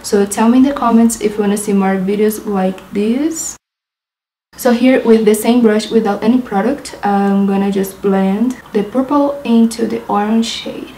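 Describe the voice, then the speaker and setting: A woman's voice: medium pitch, fairly even intonation, moderate pace, mellow, echoey room, a little hiss or hum, rough recording. A young woman from Brazil with a Brazilian Portuguese accent, chatting through a makeup tutorial in her apartment and describing each step while laughing often. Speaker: beauty vlogger. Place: apartment in a big city.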